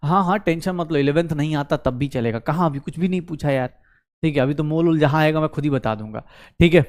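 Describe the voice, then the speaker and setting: A male chemistry teacher, giving an online class lecture in a brisk, coaxing way, asking questions and answering them himself. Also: on the high side, a little mellow. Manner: mixes Hindi with English terms, calls students beta.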